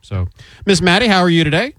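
A man's voice: high voice, huge pitch swings, fast talker, a bit bright, dry recording. A man hosting a radio call-in show, easygoing and teasing with his cohosts. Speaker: radio show host, attorney. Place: radio studio.

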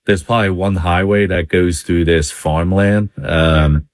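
A man's voice: low voice, steady tone, a little slow, dry recording, clean studio sound. A man from Vietnam telling his life story in a casual interview, talking in a loose, conversational way with many fillers. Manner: conversational, many fillers, chuckles now and then. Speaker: interview guest, business owner.

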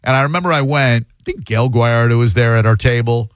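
A man hosting a call-in radio talk show, blunt and sarcastic, quick to mock his callers. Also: medium pitch, dry recording, studio quality. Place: radio studio. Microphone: studio mic.

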